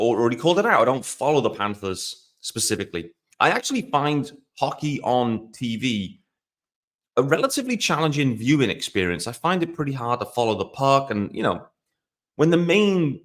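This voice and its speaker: A man's voice: mid-range voice, a bit bright. Rambling Welsh man hosting a podcast. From South Wales. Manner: rambling, conversational, self-deprecating. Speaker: podcast host. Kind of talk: casual solo podcast talk.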